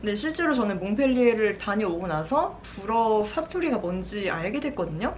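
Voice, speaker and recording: Over noticeable background noise and audible room echo, a woman talks at a moderate pace with hardly any pauses. Her pitch is fairly high and swings very widely. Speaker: YouTuber. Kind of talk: casual vlog Q&A.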